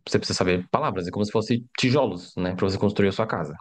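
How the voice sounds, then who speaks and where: A middle-aged man with a fairly low voice talks very fast while teaching a live online Mandarin class. He's casual and chatty, checking in with his students often and adding tag questions.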